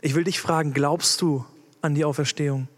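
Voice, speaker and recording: A man's voice: on the high side, fairly even intonation, moderate pace, in a large hall. A man preaching a sermon with emphasis, putting direct questions to his listeners.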